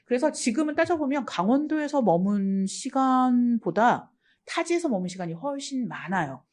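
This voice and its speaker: A woman's voice: on the high side, sing-song, normal speed, darkish tone. A middle-aged woman from South Korea's Gangwon region, giving an online exam-prep lecture in a chatty, anecdotal way. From Gangwon Province, South Korea. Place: lecture studio.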